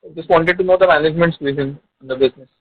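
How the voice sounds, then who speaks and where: An investor with an Indian accent presses company management with persistent, probing questions on an earnings call. His voice is a little high and slightly rough, and he talks in rapid-fire bursts. The audio comes through a tinny, narrow phone line.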